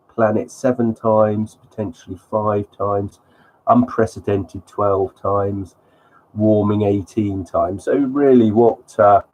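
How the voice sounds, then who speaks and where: Man, head cold, sniffly, slow-talking, full of ums, casual live stream commentary. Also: on the low side, a little mellow, low-quality recording. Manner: rambling, many ums and restarts.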